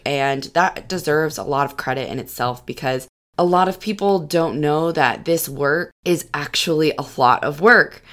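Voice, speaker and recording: A young woman hosting her own podcast as a lifestyle coach, hoarse from losing her voice, chatting warmly and encouraging listeners directly. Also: sits low. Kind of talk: solo podcast monologue. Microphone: studio podcast mic.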